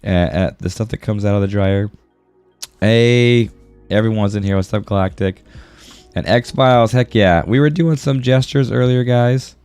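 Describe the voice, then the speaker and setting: Low-voiced congested man chatting on stream. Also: a little slow, darkish tone, clear, resonant tone, dry recording. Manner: friendly, slangy, addressing viewers as buddy. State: sore throat and congestion. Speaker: art livestreamer. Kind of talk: casual livestream chat while drawing. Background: music.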